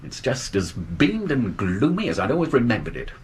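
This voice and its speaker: An actor playing a curt, sarcastic husband with an English accent, clipped and sardonic, in a 1980s radio drama. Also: male voice, mid-range voice, huge pitch swings, moderate pace.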